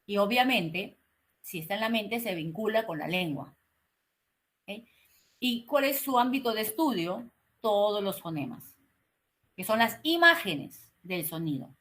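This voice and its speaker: A woman teaching an online class, speaking slowly and articulating each word with care, with frequent checking questions and hesitations. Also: mid-range voice, animated, a bit bright. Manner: slow, carefully articulated explaining; frequent "¿no?" and "eh" fillers.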